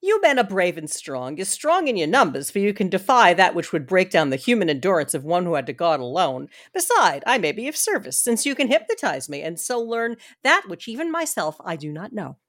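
Earnest Victorian wife, read by a woman, lively pitch, formal. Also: fairly quick, hardly any pauses. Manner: earnest, pleading, formal phrasing. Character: devoted young Victorian wife.

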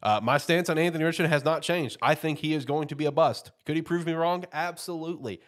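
A man's voice: fairly high pitch, quick pace, a bit bright. A man hosting a casual sports podcast, talking loosely with lots of fillers and frequent laughs. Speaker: podcast host.

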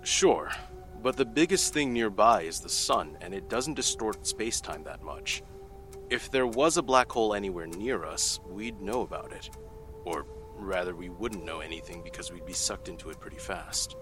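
A man's voice: sits low, expressive, normal speed, fairly bright tone, faint music behind. A man playing a CIA analyst giving testimony in an audio drama, matter-of-fact and growing incredulous. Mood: skeptical. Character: guarded male CIA analyst under questioning.

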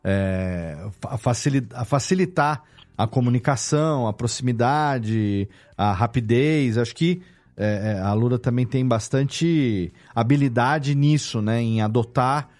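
A man's voice: medium pitch, unhurried, darkish tone. A man hosting a podcast interview, chiming in with agreements and summing up his guest's points. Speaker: podcast host. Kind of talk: casual interview chat.

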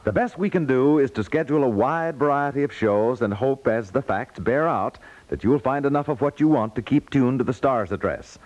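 A man's voice: medium pitch, moderate pace, few pauses, a little mellow, no room sound. An American man delivers a 1950s radio promo with folksy polish. His mid-range voice rises and falls widely. The sound is dry and dull, like an old broadcast. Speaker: radio announcer.

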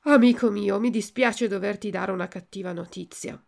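A woman voicing a kind, wise little female marmot in a storybook, speaking gently and gravely. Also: medium pitch, moderate pace.

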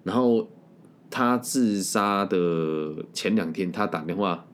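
Blunt, low-voiced man. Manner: blunt and candid, tags sentences with drawn-out particles. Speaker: career-planning coach and online creator. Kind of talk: casual storytelling monologue.

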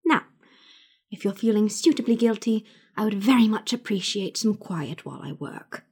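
A woman's voice: mid-range voice, lively intonation, normal speed, a little mellow, breathy edge. An actress playing a prickly, guarded reclusive woman novelist in an audio drama, speaking formally and precisely. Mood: icy, irritated. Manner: formal, clipped, sardonic, precise.

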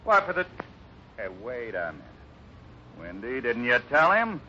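A man's voice: medium pitch, huge pitch swings, unhurried, sharp tone, heavily acted. An actor playing a kindly, fatherly American ranch boss in a 1950s radio Western. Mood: friendly. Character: steady, kindly adult cowboy ranch boss. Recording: muffled, hissy 1950s radio recording.

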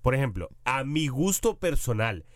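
A man's voice: mid-range voice, big pitch swings, normal speed, no room sound, clean studio sound. A young man co-hosting a casual podcast while he has a bad cold, joking and good-natured. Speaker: podcast co-host.

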